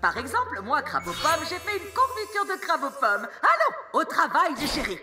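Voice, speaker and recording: Casting: jolly commanding cartoon lady, very high and swooping, music behind. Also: wildly swooping pitch, moderate pace. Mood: merry, commanding. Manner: theatrical, commanding. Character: jolly, bossy lady announcing a baking challenge. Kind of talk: animated children's cartoon dubbing.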